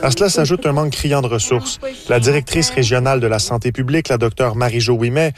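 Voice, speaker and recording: A male reporter delivering a scripted news report in an even, clear voice. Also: mid-range voice, fast. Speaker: radio reporter.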